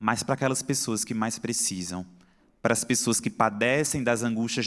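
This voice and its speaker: A man with a Pernambuco accent on a very clean recording with a silent background. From Pernambuco, northeastern Brazil. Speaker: psychiatrist giving a spiritist talk. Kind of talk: lecture. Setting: stage with audience.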